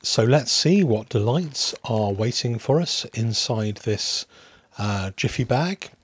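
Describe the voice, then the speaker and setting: A man hosting a hobby video in a casual, unscripted way, musing aloud with hesitant pauses. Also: mid-range voice, animated, slightly rough. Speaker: host of a coin collecting channel.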